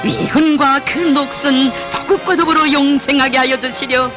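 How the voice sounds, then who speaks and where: A man's voice: very high voice, steady tone, moderate pace. A man with a North Korean accent narrating a propaganda documentary in a solemn, reverent, emotive declamatory style. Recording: music behind the narration. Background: music.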